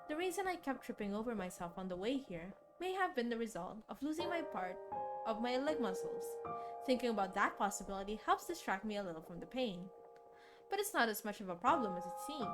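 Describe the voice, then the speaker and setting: Female streamer, higher-pitched, expressive storytelling read of a visual novel, music playing behind. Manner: expressive, dramatic read-aloud with casual asides. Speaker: game streamer reading a visual novel aloud. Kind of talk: soft storytelling narration. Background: game music.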